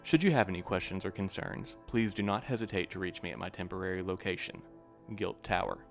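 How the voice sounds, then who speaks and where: A man playing a stiff, officious postmaster reading a formal staff letter in an audio drama, in a measured way. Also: sits low, creaky, faint music behind. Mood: formal, concerned.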